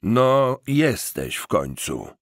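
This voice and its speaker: A man voicing a gruff, grumbling gangster in an audiobook, with blunt, muttering street talk. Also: mid-range voice, sing-song, slow pace, no room sound, clean studio sound, voice pushed up, heavily acted. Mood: irritated.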